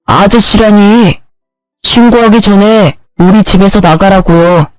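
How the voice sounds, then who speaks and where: A woman's voice: medium pitch, steady tone, a little slow, dry recording, soft background music, close to an everyday voice, low-quality recording. Brief: woman voicing a clever young son, cold and mockingly polite, dry audio story.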